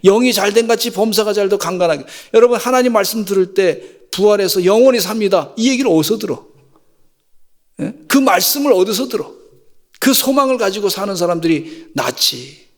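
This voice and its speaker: A middle-aged male pastor delivers a sermon, his slightly high voice carrying a gravelly edge. He moves between folksy storytelling and fervent exhortation. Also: animated, fairly quick, big-room sound.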